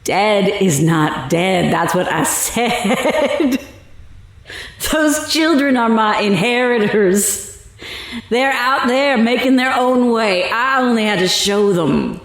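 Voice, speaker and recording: A woman's voice: on the high side, lively intonation. A woman playing an evil, taunting cultist witch in a horror audio drama, gloating and mocking as she speaks. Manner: gloating, mocking, slow and deliberate, cackling. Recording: very echoey, music underneath.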